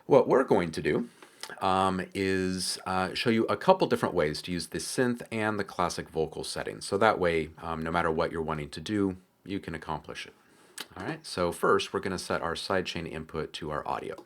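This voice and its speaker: A man hosting a casual software tutorial, explaining things informally with frequent hesitations. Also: deep voice, expressive, moderate pace. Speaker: tutorial host.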